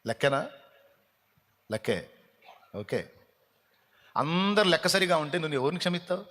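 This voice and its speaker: A man preaching a fasting prayer sermon as pastor, scolding and dramatic, firing rhetorical questions with sudden loud peaks. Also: on the high side, very animated. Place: church hall. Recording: long hall reverb.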